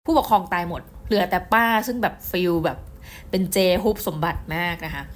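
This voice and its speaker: A middle-aged woman giving a casual book review, chatty and excitable, often speaking straight to her viewers. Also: lowish voice, normal speed. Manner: chatty, addresses viewers directly, excitable storytelling.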